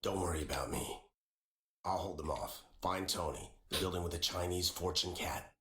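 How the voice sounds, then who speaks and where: Casting: gruff game ally, very deep, bright edge, roomy game-audio echo. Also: male voice, normal speed. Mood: urgent. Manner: urgent, clipped orders. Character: gruff male bar ally covering an escape.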